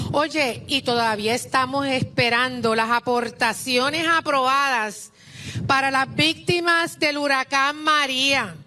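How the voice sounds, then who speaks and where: A woman's voice: high voice, sharp tone, slight background noise. A Puerto Rican woman giving an impassioned speech at an outdoor political rally, rousing the crowd in a Puerto Rican accent. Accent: Puerto Rican Spanish. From Puerto Rico. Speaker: rally speaker.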